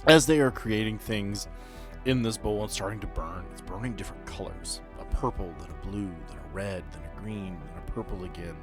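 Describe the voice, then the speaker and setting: Male game master, low register, deliberate dramatic tabletop narration over a music bed. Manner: deliberate, dramatic storytelling in short phrases.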